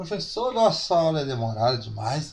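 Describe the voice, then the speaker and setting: Quiet and fairly high-pitched, a man's voice makes very wide pitch swings amid audible room echo. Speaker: history teacher. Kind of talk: lecture. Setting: home at night. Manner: speaking quietly.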